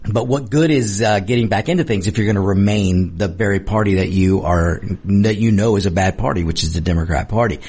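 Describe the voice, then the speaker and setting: A male radio host with a fairly low voice talks casually and with opinion. He addresses his listeners directly and often repeats a phrase to drive it home. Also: a little fast, hardly any pauses, darkish tone, husky.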